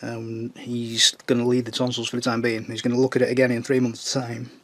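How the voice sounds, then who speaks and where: A man with a Northern English accent talks through his model painting in a relaxed, chatty way. His voice is husky and slightly strained, as if still getting over a throat illness. It sits at an ordinary middle pitch. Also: fairly quick. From Northern England. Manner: chatty, jokey asides while working. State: recovering from tonsillitis, voice strained. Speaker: scale model builder. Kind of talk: casual tutorial while painting a model.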